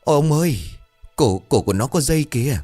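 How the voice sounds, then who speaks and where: A terrified old village wife begs and shrieks in a high, shrill voice that swings wildly in pitch, as a male narrator puts her on. Faint music plays behind the storybook telling. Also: lively intonation, fairly quick, natural voice. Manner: shrill, begging, panicky.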